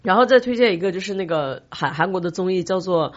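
A woman co-hosting a podcast, chatting casually and recommending things to her friends in an animated, teasing manner. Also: fairly low pitch, fast talker, dull audio. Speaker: podcast co-host. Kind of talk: casual chat.

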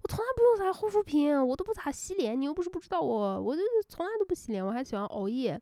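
A woman's voice: high-pitched, animated, racing, warm tone, dry recording, clean studio sound, pitched above the performer's own voice. A woman voicing a chatty, carefree middle-aged mother who brags offhandedly about never caring for her skin. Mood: breezy.

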